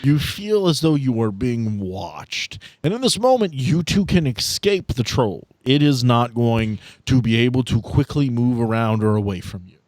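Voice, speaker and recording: Low-voiced man running a tabletop game. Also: expressive, moderate pace, few pauses, a little mellow, dry recording. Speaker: game master. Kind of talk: narrating a tabletop role-playing game.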